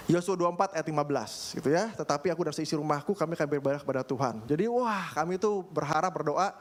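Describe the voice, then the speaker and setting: A young man, a pastor, preaching a casual, storytelling sermon with lots of filler phrases and throat clearing. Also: a little high. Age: young adult. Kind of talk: conversational sermon. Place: church. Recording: faint background noise.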